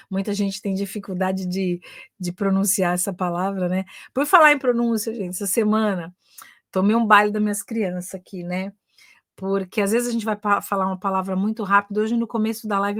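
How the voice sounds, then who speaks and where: A woman's voice: mid-range voice, no room sound, studio quality. A Brazilian woman, a native Portuguese speaker, teaching English in a chatty live online class and switching between both languages.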